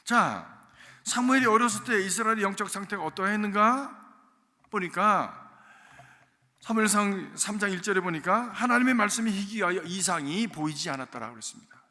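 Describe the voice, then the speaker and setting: Guy pastor preaching, chatty storytelling, loud then whispery, big echoey church. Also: high voice, expressive, a little fast. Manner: conversational, swings between loud emphasis and soft near-whispered asides. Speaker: senior pastor. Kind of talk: storytelling sermon. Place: church sanctuary. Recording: reverberant church sanctuary.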